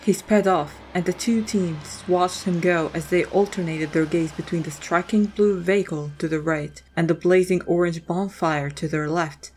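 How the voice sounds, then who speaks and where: Low-pitched woman narrating a story. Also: steady tone, normal speed, few pauses, a little mellow, slight background noise, poor audio. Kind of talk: scripted dramatic story narration.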